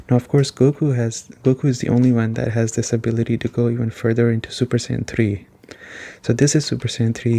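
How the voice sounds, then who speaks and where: A soft-spoken, relaxed man giving an ASMR-style video game review as a casual chat. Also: medium pitch. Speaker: gaming video host.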